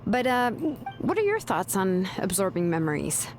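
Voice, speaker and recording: A woman's voice: medium pitch, wildly swooping pitch, moderate pace. A woman playing a laid-back, matter-of-fact young master smith in a video game, speaking in a casual yet precise way. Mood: explaining, relaxed. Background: game music.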